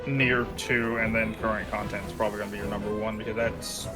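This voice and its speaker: A man's voice: lowish voice, level tone, a little fast, music in the background. A man playing a game with a friend, chatting casually in a dry, blunt way and swearing offhand. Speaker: co-player. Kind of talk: casual gameplay chat.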